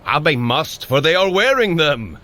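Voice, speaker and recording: A man's voice: a little high, big pitch swings, moderate pace, bright, forceful tone. A male actor playing a good-natured, food-loving thunder god in an audio drama, speaking jovially in grand old-fashioned phrases. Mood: mildly put out. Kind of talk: scripted audio drama dialogue.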